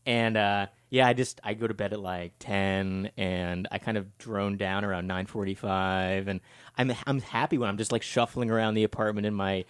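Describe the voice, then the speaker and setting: A man's voice: fairly low pitch, steady tone, moderate pace, smooth, dry recording, studio quality. A podcast host in his forties chatting casually, rambling and poking fun at himself. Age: 40s. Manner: chatty, rambling, self-mocking. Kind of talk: casual chat.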